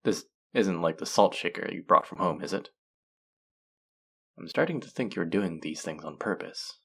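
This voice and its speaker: In a scripted audio roleplay, a man plays a teasing, flirtatious, sardonic male faerie, drawling with sighs in an exasperated mood. His deep voice is gravelly and husky yet pushed and bright, with lively intonation at a moderate pace, delivered as a full character voice.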